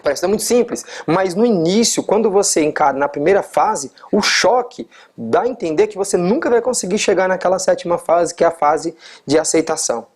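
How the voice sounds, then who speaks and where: A man giving an informal explanatory talk, animated, acting out everyday scenarios and often adding tag questions. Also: high-pitched, brisk, breathy edge. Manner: frequent tag questions and fillers. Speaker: presenter of a talk series.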